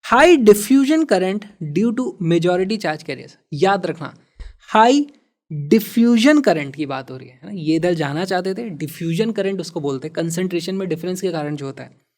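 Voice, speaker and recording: A man explains physics problems step by step. He talks in a lively way and leans hard on key words. He drops English terms in as he goes. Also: high voice, measured pace. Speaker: physics teacher.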